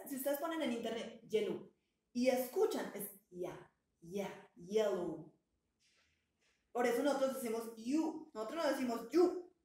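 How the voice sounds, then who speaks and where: A woman teacher gives a bilingual English lesson with a patient, encouraging manner. She slows down and draws out words so learners can copy their pronunciation. Her slightly high voice rings in a roomy, echoey space. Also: a little mellow. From Colombia. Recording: echoey room sound.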